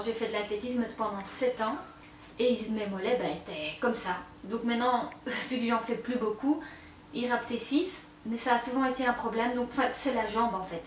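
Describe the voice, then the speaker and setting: A young woman talks frankly to her camera from a seat at home, slightly high-voiced and hesitant, often repeating herself. The mic sits well back, so the room rings around her voice and a faint hum of room noise stays underneath. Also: reverberant, recorded from a distance, low-quality recording. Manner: candid and chatty, repeats words and hesitates often. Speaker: vlogger. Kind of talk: casual confiding chat to camera.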